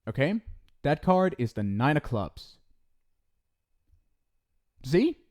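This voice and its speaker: Young guy doing asmr roleplay, slow and mellow, teasing and fussing over you. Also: fairly high pitch, very animated. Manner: scolding yet affectionate, playful teasing.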